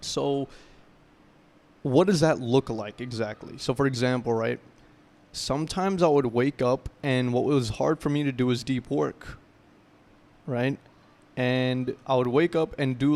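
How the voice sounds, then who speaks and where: This is a young man's voice, mid-range and slightly mellow, delivering a loose, rambling self-improvement talk to camera. Gaming comparisons carry his explanations, and he often checks in with "right?"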